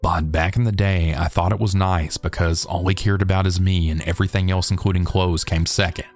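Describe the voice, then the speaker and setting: A man reading a listener's true story aloud in a steady, measured storytelling voice. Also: low-pitched. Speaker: narrator.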